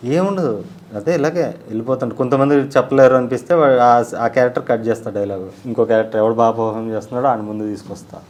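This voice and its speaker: A man answers interview questions in a quick, steady voice of ordinary pitch. He talks bluntly and with self-assurance, stressing his points. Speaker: film director and actor.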